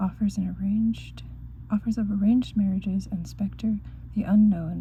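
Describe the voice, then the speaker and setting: Speaking softly, a woman can be heard against noticeable background noise. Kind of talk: soft-spoken ASMR book talk to camera. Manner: soft-spoken; hesitant, unpolished one-take delivery.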